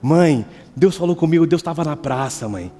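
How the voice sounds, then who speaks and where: Man acting excited little boy, high loud voice, long church reverb. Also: quick pace. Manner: breathless, pleading, high and loud. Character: eager excited young boy seeking God. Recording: reverberant church hall, faint guitar.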